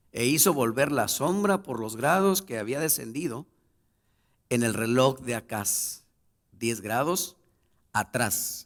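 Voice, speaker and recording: A male pastor preaching a sermon, reading scripture aloud and swelling into loud, emphatic passages as he addresses the congregation. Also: mid-range voice. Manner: addresses the congregation directly as brothers.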